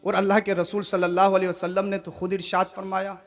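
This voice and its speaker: Guy preaching a sermon, really high voice, yells some bits then goes chatty, keeps quizzing the crowd. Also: monotone, fast talker. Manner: swings between shouted exhortation and quiet, conversational asides; keeps asking the audience questions. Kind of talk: sermon at a religious gathering.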